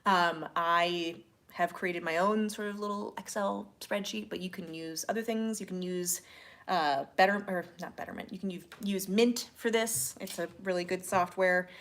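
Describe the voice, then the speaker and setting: A woman's voice: fairly low pitch, fairly even intonation, normal speed, fairly bright tone. Lady host, kinda tipsy, chatty and playful, lots of um and like. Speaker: podcast co-host answering listener questions. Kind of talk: casual tipsy livestream Q&A.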